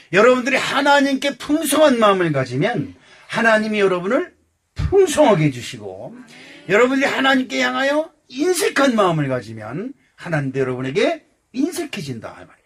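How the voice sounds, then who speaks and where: An older man preaching a sermon as pastor, animated and loud, acting out quotes with bursts of shouting. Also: high-pitched, brisk, slightly rough. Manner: animated, acts out quotes in exclamations.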